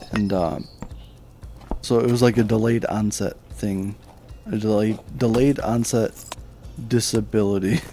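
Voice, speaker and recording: Music plays in the background as the speech moves at a fairly slow pace with long, frequent pauses. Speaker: streamer. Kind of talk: live gameplay chat.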